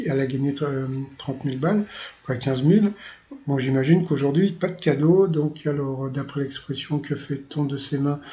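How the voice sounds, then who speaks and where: Chatty Parisian man, mellow tone. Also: on the high side. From Paris, France. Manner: chatty and rambling, full of filler words, amused asides. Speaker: channel host recapping a TV quiz show. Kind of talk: casual spoken recap commentary.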